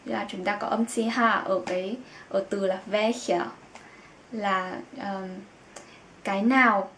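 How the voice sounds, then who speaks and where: Young female language teacher, unhurried, reverberant room. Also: medium pitch, steady tone, a bit bright. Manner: explains in Vietnamese, says German words slowly and repeats them. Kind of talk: language lesson for Vietnamese learners. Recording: echoey room with faint background noise.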